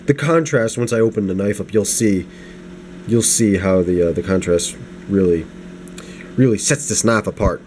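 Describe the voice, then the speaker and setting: Recovering from the flu, a young man with a lowish, darkish voice rambles through an unscripted knife review at his home desk, sniffly and low on energy. He talks at a normal speed, restarting often and making self-deprecating asides. A camera mic with hands-only framing picks him up over a space heater's hum.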